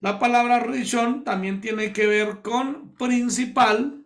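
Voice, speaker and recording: A pastor from Colombia leading a Bible study, explaining words slowly and repeating key terms to his listeners. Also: very high-pitched, fairly even intonation, fairly bright tone.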